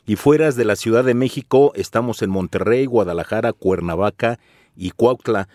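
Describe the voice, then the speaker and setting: A man's voice: fairly low pitch, normal speed, darkish tone, dry recording, clean studio sound. A man with a Mexican accent co-hosting a radio show, reading out phone numbers and promotions in a salesy, friendly way.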